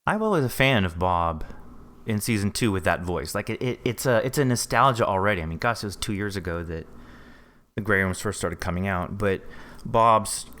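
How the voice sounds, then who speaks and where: Low-pitched man chatting as interviewer. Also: animated, normal speed, a bit bright. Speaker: podcast interviewer. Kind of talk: casual interview chat.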